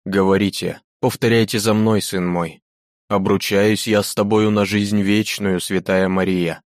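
A man voicing a Jesuit priest giving last rites with solemn priestly calm. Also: on the low side, measured pace, no room sound, studio quality, close to an everyday voice.

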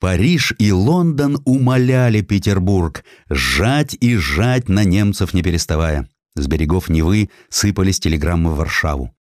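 Male narrator, low register, close dry sound; measured, expressive storytelling for historical literature. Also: no echo. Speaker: audiobook narrator. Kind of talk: dramatic scripted narration of historical prose.

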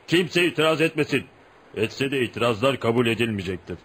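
An actor playing an unbending, pompous tribal judge, formal and declamatory in a Turkish radio play. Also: male voice, mid-range voice, lively intonation, fairly quick, fairly bright tone, husky. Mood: stern, authoritative. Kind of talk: Turkish radio theatre acting.

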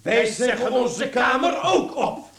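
A man's voice: extremely high pitch, animated, takes it slowly, gravelly, a bit bright, full character voice. An actor playing a stiffly polite, obsequious male lodger in a radio drama, hesitant and echoing his companion. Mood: affronted.

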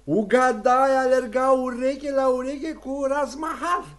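A woman's voice: high voice, fairly even intonation, close to an everyday voice. A woman playing a nervous, hypochondriac young landowner who stammers and protests in a read-through of a stage play. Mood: flustered. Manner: flustered, stammering, quick to protest.

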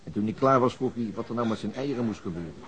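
An actor playing a weary, middle-aged chief inspector in a radio drama, gruff and dry, with hesitant, understated speech. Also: male voice, fairly low pitch, fast, lightly acted. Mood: wry recounting. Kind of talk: naturalistic radio drama acting.

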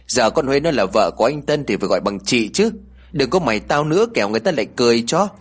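A man's voice: medium pitch, lively intonation, fast, husky. A man voicing a fretful, scolding elderly grandmother in a village ghost story, with a chiding, clucking way of talking.

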